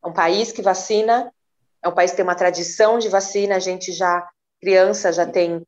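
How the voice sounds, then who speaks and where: A woman's voice: fairly low pitch, steady tone, normal speed, lo-fi sound. A woman co-hosting a casual podcast, talking earnestly and urging listeners directly. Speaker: podcast co-host. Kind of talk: casual chat.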